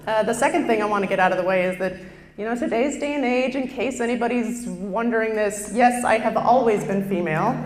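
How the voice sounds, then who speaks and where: A young woman with a very low contralto voice, doing a chatty, self-deprecating stand-up routine on a lapel mic on a live stage. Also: brisk, background noise. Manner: self-deprecating, chatty, with frequent fillers and restarts. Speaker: stand-up comedian. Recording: roomy hall reverb, faint ambience.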